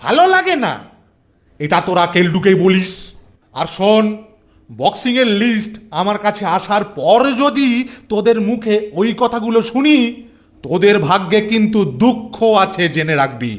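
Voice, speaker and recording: High-pitched, strict cartoon schoolteacher. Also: male voice, big pitch swings, moderate pace. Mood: scolding. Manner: stern, emphatic, authoritative. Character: strict, commanding adult male school teacher. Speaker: cartoon voice actor. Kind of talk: Bengali children's cartoon dialogue.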